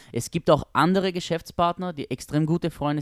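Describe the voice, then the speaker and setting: This man has an ordinary speaking voice with fairly even intonation. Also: very clean recording, silent background. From Austria. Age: 20s. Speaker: entrepreneur. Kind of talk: casual chat. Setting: Airbnb apartment in Berlin.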